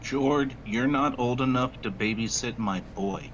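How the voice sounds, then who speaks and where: A man's voice: mid-range voice, measured pace. A talkative, wry man chatting casually as a player on an online call. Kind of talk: casual chat over a voice call. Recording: muffled lo-fi online call with noise.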